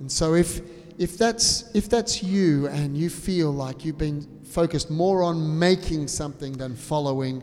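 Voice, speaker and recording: Speaking at a very slow pace, a man with a fairly high pitch is heard over noticeable background noise. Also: ordinary pitch variation. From Australia. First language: English (speaking French). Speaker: pastor. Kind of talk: sermon. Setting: church.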